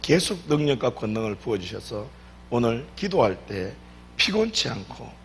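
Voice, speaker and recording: A man is speaking. His voice has vocal fry. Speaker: pastor. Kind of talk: sermon. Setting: church.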